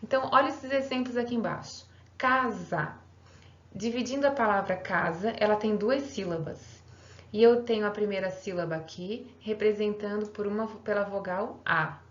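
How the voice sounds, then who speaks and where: A woman's voice: medium pitch, moderate pace. Woman teacher, patient step-by-step explaining, slightly muffled recording. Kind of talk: recorded online grammar lesson. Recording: roomy, slightly dull home recording.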